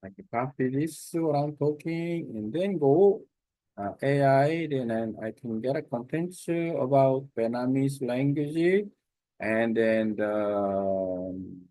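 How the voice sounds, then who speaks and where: Halting man, slow and hesitant. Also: mid-range voice, mellow, no echo, poor audio. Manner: halting, many fillers and restarts. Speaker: language learner. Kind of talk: casual self-recorded talk.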